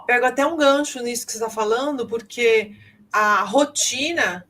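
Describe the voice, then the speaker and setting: A woman's voice: fairly high pitch, normal speed, fairly bright tone, slight background noise. A woman co-hosting a podcast in casual chat, explaining her points step by step in a thoughtful way.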